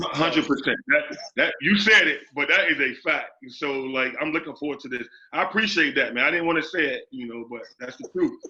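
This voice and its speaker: A man's fairly high-pitched, fairly quick delivery in an American accent, with lively intonation, big swings in loudness and hardly any pauses. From Norfolk, Virginia, US South. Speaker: women's college basketball coach. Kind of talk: interview.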